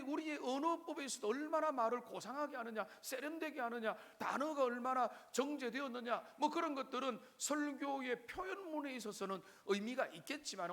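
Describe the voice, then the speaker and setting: A man's voice: extremely high pitch, a bit bright. A man preaches a Sunday sermon in his church. He speaks straight to the congregation. He asks them question after question. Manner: preaching with frequent direct address to the congregation and rhetorical questions. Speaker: pastor. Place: church sanctuary.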